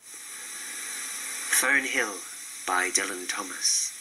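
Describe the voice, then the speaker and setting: A man reciting poetry in measured, declamatory phrases. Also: deep voice. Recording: faint hiss and background noise.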